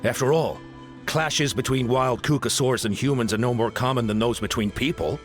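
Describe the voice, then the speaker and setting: An actor playing a worried, thoughtful tribal leader who speaks gravely and deliberately. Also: male voice, mid-range voice, soft background music, close to an everyday voice.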